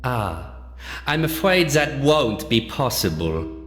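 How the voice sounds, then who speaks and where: An actor playing a smug, deranged doctor villain in a video game, with a pompous, over-enunciated, grandiose delivery. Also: male voice, medium pitch, very animated, slow, fairly bright tone. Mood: smug, mocking. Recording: echoey reverberant hall, faint music behind.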